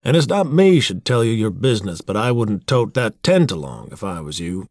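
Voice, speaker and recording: A man's voice: lowish voice, very animated, normal speed, no room sound, studio quality. A man voicing a wry, plainspoken frontier onlooker in a storybook, with a folksy, rustic manner.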